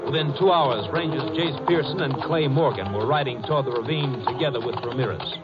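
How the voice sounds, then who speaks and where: An actor as the sober narrator of a 1950s radio western, reading scripted narration. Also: male voice, mid-range voice, a little fast, over loud music, natural voice. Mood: grave. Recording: muffled old radio broadcast recording.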